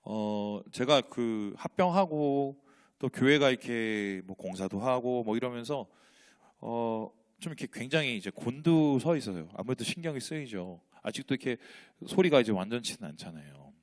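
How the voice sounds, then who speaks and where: Animated man preaching, swooping pitch. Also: moderate pace. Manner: animated, acts out dialogue in changing voices, asks rhetorical questions. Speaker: pastor. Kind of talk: sermon. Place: church sanctuary.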